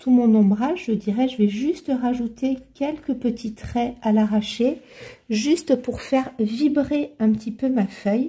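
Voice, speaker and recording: A woman speaks in a high voice with a dark, mellow tone and fairly even intonation. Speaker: coloring vlogger. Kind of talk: casual vlog tutorial. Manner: hesitant, many fillers.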